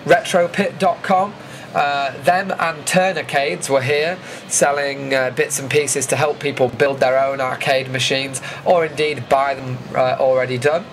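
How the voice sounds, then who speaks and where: A man's voice: mid-range voice, fairly even intonation, unhurried, a little hiss or hum. A man with a British accent giving a chatty, informal voice-over commentary as a vlogger recapping an event. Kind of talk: casual voice-over commentary on footage.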